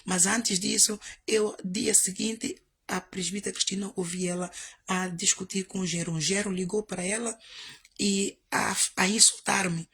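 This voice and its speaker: Woman pastor, emphatic repetitive sermon, very husky, gravelly. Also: medium pitch, fairly even intonation, moderate pace, a bit bright. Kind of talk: storytelling sermon.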